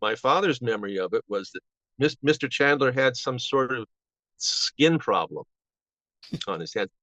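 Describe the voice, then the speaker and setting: A man in his seventies reminiscing casually as an interview guest, halting and rambling with false starts. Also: mid-range voice, lively intonation, pushed and bright, no echo. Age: 70s. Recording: dull, band-limited audio.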